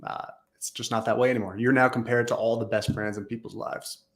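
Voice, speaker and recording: A man's voice: medium pitch, fairly even intonation, brisk. A man speaking as a guest on a casual podcast, earnest and enthusiastic, with casual slang. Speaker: podcast guest, business leader.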